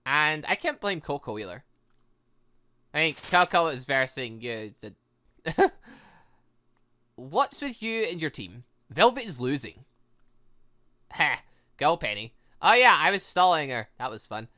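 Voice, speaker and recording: A gaming video host giving casual let's play commentary, chatty, rambling and excitable, thinking aloud as they go. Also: mid-range voice, unhurried, long pauses.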